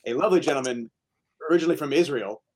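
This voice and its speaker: Animated male voice actor telling anecdote. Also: mid-range voice, rapid-fire, slightly rough, low-quality recording. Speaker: voice actor panelist. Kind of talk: casual panel anecdote.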